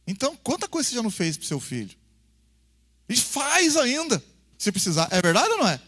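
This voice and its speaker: A man's voice: very high voice, big pitch swings, fairly quick, fairly bright tone. A man with a Brazilian accent preaching a folksy, conversational sermon, calling the congregation brother and acting out family scenes. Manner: folksy, acts out family dialogues. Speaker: pastor.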